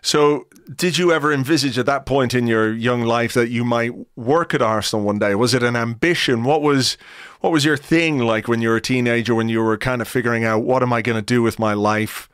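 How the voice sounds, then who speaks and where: Host, middle-aged man, resonant smooth voice, dry close mic, unhurried wordy questioning. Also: medium pitch, fairly even intonation, fairly bright tone, no room sound. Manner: measured, wordy questions with restarts. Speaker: podcast host. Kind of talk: conversational interview.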